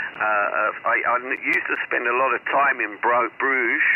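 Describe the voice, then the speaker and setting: A man speaks with a strong London accent. There is noticeable background noise. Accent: London, quite heavy. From London, England. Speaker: amateur radio operator. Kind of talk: radio contact chat. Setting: shortwave radio transmission. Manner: halting, many fillers.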